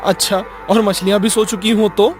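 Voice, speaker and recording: Higher-pitched joking cartoon boy, done by a man. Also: level tone, fairly quick, close to an everyday voice. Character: joking, curious boy, loyal friend. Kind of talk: cartoon story dialogue. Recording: music behind the voice.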